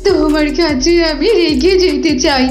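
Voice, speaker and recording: A woman's voice: high voice, moderate pace, natural voice. A woman voicing an anxious, protective mother fox in a cartoon, emphatic and pleading. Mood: tearful pleading. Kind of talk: cartoon voice acting. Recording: roomy echo with music.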